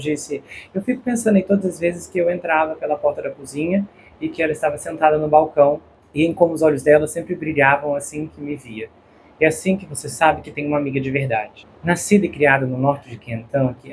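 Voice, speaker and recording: A man with a Brazilian Portuguese accent, host of a true crime channel, reading a crime news report in a steady, measured way. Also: fairly high pitch, a little hiss or hum. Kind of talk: read news narration.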